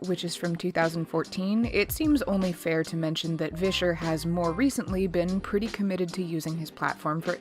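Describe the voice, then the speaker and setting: A woman delivering a scripted video essay with wry, conversational commentary and sarcastic asides. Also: fairly low pitch.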